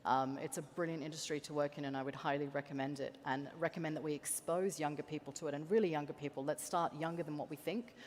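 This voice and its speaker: A woman engineer on a panel, speaking candidly and enthusiastically, often pausing with ums. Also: low voice, steady tone, a little mellow, a little hiss or hum. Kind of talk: panel discussion. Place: large conference hall. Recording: long reverb of a conference hall.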